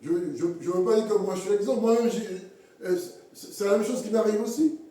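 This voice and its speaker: A man preaching a sermon in a halting way, repeating words and acting out little everyday scenes. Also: high-pitched, steady tone, mellow. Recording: echoey hall from far off.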